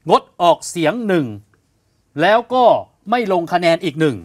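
A man explains political news on a studio panel with a somewhat raised pitch. He sounds animated and conversational, and he often asks rhetorical questions. The studio sound is close and dry. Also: normal speed, no room sound. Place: television studio.

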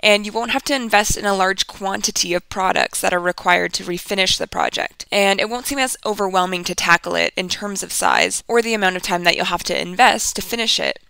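A woman's voice: medium pitch, gravelly, bright, forceful tone, clean tone, dry recording. A woman hosting an instructional podcast solo, talking in a chatty, informal and encouraging way. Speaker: podcast host and DIY furniture refinisher.

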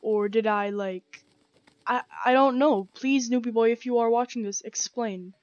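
A young woman hosting a gaming channel gives casual let's-play commentary, chatty and rambling, full of slang and ums. Her slightly high, a little mellow voice sounds croaky from a sore throat, with fairly even intonation and a measured pace. Recorded close on a gaming headset, the audio is dry and slightly dull.

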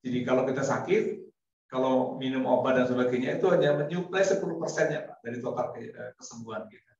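A man's voice: medium pitch, quick pace, gravelly, darkish tone. A man giving a casual sermon to a congregation, chatty, laughing often and acting out little dialogues. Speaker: preacher. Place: mosque hall. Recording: echoey hall from far off, dull sound.

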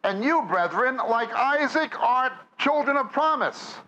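A man's voice: very high-pitched, lively intonation, unhurried, sharp tone, highs cut off. A man with a New York accent preaching a sermon, reading scripture aloud and then explaining it to a live audience. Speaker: Bible teacher. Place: church or meeting hall with audience.

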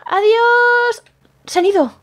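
Woman playing a skittish, stuttering young woman with a very high voice, improvised game roleplay. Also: takes it slowly, heavy background noise. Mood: jittery, flustered. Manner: stammering, repeats words when startled. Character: jumpy young woman, easily frightened and fussy. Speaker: roleplay channel host.

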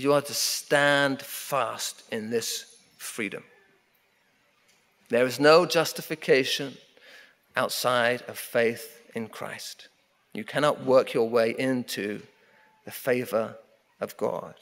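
A man's voice: medium pitch, fairly bright tone. Middle-aged man preaching in a reverberant church. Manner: emphatic, repeating key phrases, slowing down for weight. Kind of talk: sermon. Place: church sanctuary at a wooden pulpit. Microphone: pulpit microphone. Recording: long hall reverb of a church.

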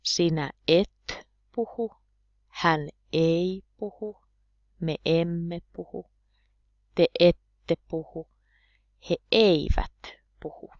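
A woman teaching a slow, clear beginner grammar lesson, drilling each form one by one and sometimes dropping to a whisper. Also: lowish voice, a little mellow, no room sound, dull audio. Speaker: language teacher.

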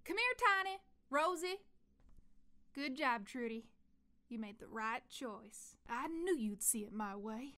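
A woman's voice: fairly high pitch, expressive, a little slow, bright, forceful tone. A woman playing a scheming, grandiose scientist villain in a comedic audio drama. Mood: smooth persuasion. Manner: grandiose, falsely reassuring, blunt. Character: scheming, theatrical female velociraptor scientist villain.

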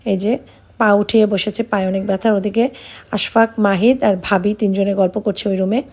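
A middle-aged woman from Bangladesh narrating her vlog in a soft, subdued, reflective way, sounding sad and tired. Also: mid-range voice, fairly even intonation, moderate pace. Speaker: vlogger.

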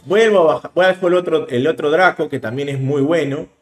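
A man in his thirties with a Peruvian Spanish accent, commentating a card game replay in a casual, animated way. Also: fairly high pitch, roomy sound, faint music behind. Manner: animated, explaining plays rapidly with bursts of emphasis. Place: indoor room, webcam overlay.

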